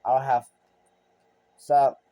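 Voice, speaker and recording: A young man talks over his own gameplay in a loose, rambling way. He trails off, restarts, and thinks out loud as he plays. His pitch sits in the ordinary middle range for a man. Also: level tone, very slow, no room sound. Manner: rambling, thinks aloud, trails off mid-sentence. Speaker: gaming streamer. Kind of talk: casual gameplay commentary.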